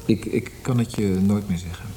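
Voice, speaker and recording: An actor as a low, sombre, hesitant poet. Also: male voice, mellow, faint music behind, natural voice. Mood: evasive, hesitant. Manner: hesitant, subdued, brooding, with pauses. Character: sombre, evasive male Viennese poet visiting his dying friend. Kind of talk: radio play acting.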